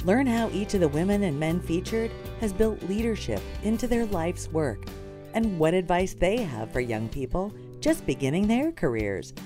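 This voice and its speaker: A woman's voice: fairly low pitch, big pitch swings, moderate pace. A woman reading a polished, scripted introduction for a podcast. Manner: polished announcer delivery. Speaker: show announcer. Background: guitar music.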